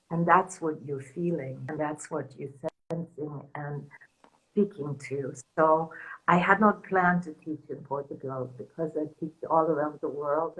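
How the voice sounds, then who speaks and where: A woman from Germany speaks in a low, unhurried voice. She shares as a spiritual teacher in a soft, earnest way, with light laughs between thoughts. Her English is careful and reflective. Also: low-quality recording. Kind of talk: reflective talk in a panel conversation.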